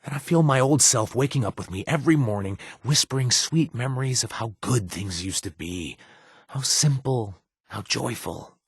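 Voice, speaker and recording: Low, husky reformed wasteland raider. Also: male voice, no echo, clean studio sound, full character voice. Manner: halting, confiding, casual speech. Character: earnest, haunted reformed male raider in a post-apocalyptic wasteland. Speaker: companion character in a video game. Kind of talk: conversational video game acting.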